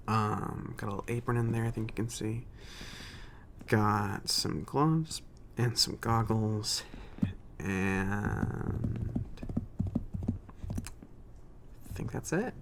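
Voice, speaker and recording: A gravelly, fairly low-voiced mage shopkeeper, played by a man, talks softly in an ASMR roleplay. He is friendly and a bit awkward, rambling along slowly and hesitantly as he helps a customer. There is faint noise behind the voice. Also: exaggerated voice. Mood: friendly, helpful. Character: friendly, slightly awkward male mage running a magic shop. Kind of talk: soft-spoken ASMR roleplay, casual and improvised.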